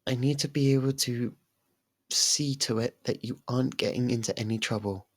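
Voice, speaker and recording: A lovestruck faerie royal, voiced by a performer, speaks in a mid-pitched voice for an intimate ASMR roleplay. The delivery is soft and halting, tender yet anxious, with a clingy, possessive streak. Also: natural voice.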